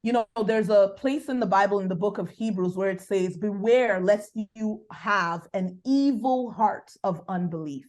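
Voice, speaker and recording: Nigerian woman coaching with preacherly energy. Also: mid-range voice. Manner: animated, preacherly, bursts of quick speech. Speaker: business coach, podcast guest. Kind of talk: faith-based coaching conversation.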